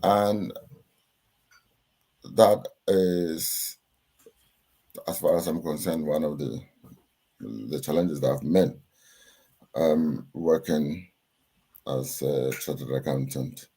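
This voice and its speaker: A middle-aged man with a Ghanaian accent, giving steady, instructive interview answers with frequent pauses and fillers. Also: very deep voice, breathy edge. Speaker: guest, chartered accountant and lecturer.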